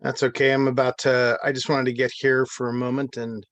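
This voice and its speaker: A man's voice: medium pitch, flat delivery, a little fast, dry recording. A middle-aged man chatting casually on a video call, rambling through anecdotes. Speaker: participant in a virtual table read. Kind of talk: casual chat.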